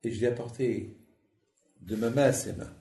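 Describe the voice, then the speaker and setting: A man, a rabbi, preaching a sermon and telling stories with lively acted-out dialogue. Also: medium pitch, normal speed. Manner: lively storytelling, acts out dialogue. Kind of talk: sermon with anecdotes. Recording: echoey hall with faint noise.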